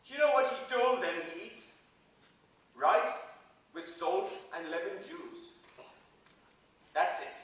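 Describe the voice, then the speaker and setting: A man's voice: high voice, animated, slow pace, long pauses, fairly bright tone, exaggerated voice. A man playing an indignant, sarcastic friend, speaking with biting emphasis in a staged play reading. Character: Alfred, indignant, sarcastic male friend scolding a mathematician. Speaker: actor in a dramatised play reading. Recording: very echoey hall, distant microphone.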